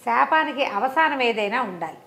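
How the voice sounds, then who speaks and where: A woman storyteller voicing an authoritative male spell-master in a measured, emphatic manner. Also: a little high, expressive, fairly bright tone, echoey room. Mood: solemn pronouncement.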